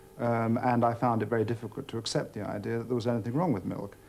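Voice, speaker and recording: Vocal fry runs through a man's dark, mellow tone. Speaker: food writer. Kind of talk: interview answer. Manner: hesitant, many fillers.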